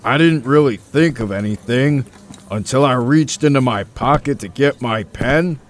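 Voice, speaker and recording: A man's voice: mid-range voice, moderate pace, lightly acted. A man playing a nervous, hesitant friend of a doctor in an audio drama, speaking informally. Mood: anxious.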